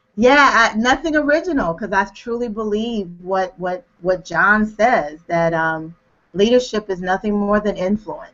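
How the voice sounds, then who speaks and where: Speaking in a normal speaking voice with an American accent, a woman of medium pitch talks at a fairly slow pace with lively intonation. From Kentucky and Ohio. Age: middle-aged. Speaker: life and leadership coach. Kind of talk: interview.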